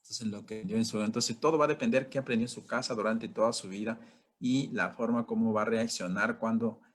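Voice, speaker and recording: A man's voice: fairly low pitch, steady tone, a little fast. Man giving a chatty self-help lesson. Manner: conversational, keeps asking "right?", acts out angry drivers. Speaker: teacher. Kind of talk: informal talk on personal growth.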